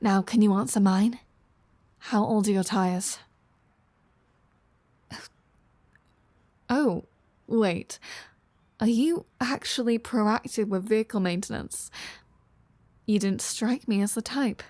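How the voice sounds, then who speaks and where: A woman's voice: medium pitch, unhurried, pauses often, a little mellow, no echo, lightly acted. A woman playing a flirty, sardonic female vampire in an audio roleplay, teasing the listener with dry sarcasm. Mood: dry, nonchalant.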